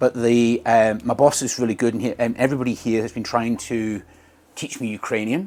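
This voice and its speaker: Fairly even intonation runs through very fast speech in a Scottish accent. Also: man. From Scotland. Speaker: military medic and nurse. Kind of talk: interview. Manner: halting, many fillers and repetitions.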